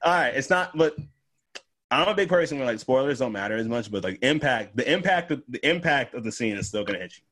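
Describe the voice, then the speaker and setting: A young man co-hosting a podcast, chatting casually, swearing a lot and jumping into high-pitched voices when he quotes people. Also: animated, fast, a bit bright. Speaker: podcast co-host. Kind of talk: casual chat.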